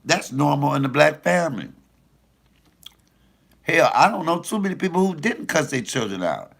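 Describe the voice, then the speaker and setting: A middle-aged man with a deep voice, a comedian chatting casually and profanely with viewers on a livestream. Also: normal speed, creaky, breathy edge. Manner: animated, loose and profane storytelling.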